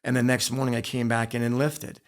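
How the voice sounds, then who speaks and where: Appearing as a podcast guest, a middle-aged ex-wrestler and coach shares frank stories about his time in sport. His mid-range voice is flat in delivery and a little fast, and he leans on repeated phrases for emphasis.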